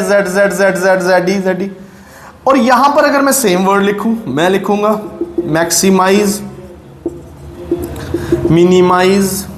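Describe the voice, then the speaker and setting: Indian man teaching English grammar in an echoey classroom. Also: high-pitched. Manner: explains slowly, checks in with "right?" and "है ना". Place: classroom with a whiteboard. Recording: echoey room with faint noise.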